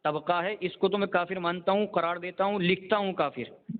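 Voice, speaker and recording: Mufti arguing with a caller, high male voice, insistent and lecturing, tinny phone line. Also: fairly even intonation. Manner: insistent, lecturing, repeats himself. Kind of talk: heated religious phone debate.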